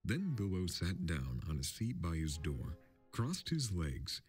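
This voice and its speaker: Deep-voiced, expressive male storybook narrator. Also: unhurried. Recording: film score music underneath.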